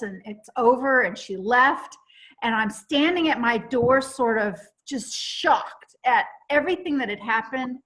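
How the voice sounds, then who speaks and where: A woman hosting a chat, telling a long story in an animated, rambling way with many restarts. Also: high voice. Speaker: host.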